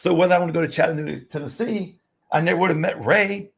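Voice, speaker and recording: The speaker talks at a fairly quick pace with an American accent. Vocal fry runs through the voice. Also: man. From Virginia, US. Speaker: senior placement business coach. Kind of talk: live stream talk. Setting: live stream on social media. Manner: casual, conversational.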